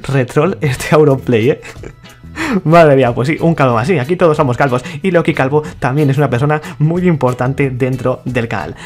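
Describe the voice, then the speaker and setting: A man's voice: mid-range voice, moderate pace, a little mellow, soft background music. A young man from giving casual, playful commentary over gameplay, laughing often and reading other players' chat aloud. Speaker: gaming YouTuber.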